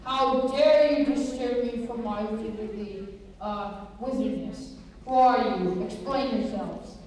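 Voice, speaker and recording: A pompous wizard, played by a woman with a high voice, booms out slow, blustering proclamations. The stage play voice is swamped in echo, far from the microphone. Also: darkish tone. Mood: imperious. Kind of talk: children's stage play acting. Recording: very echoey hall from far off, faint noise.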